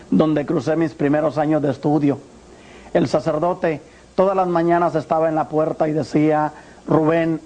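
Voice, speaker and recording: Guatemalan man in his forties, earnest preacher-like testimony, warm and a bit high. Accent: Guatemalan Spanish. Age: 40s. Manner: earnest, measured, preacher-like address. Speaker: former priest giving testimony. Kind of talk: religious testimony.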